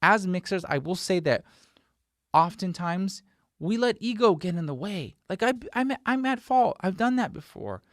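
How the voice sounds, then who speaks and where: Male instructor, 40s, slightly high voice, conversational tutorial delivery with emphatic repeats, dry close-mic studio sound. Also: animated, normal speed, dry recording. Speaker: instructor, video host. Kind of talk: informal tutorial talk to camera. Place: small home studio, indoors. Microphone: desk microphone close in front.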